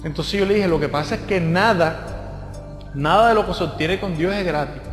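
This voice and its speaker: Man, high voice, preaching a sermon, echoey church hall with long reverb, faint music. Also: normal speed. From Colombia. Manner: lively storytelling, acts out voices of others. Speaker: guest preacher.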